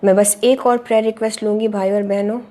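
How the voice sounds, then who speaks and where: A woman pastor leading an online prayer meeting, declaring blessings over viewers in a repetitive, measured way. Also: medium pitch, flat delivery, warm tone. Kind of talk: prayer ministry, mixing Hindi and English.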